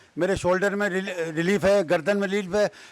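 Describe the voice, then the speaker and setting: Noticeable background noise sits behind a man's high-pitched voice. His intonation stays fairly even. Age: 60s. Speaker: advocate and former basketball player. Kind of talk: testimonial interview.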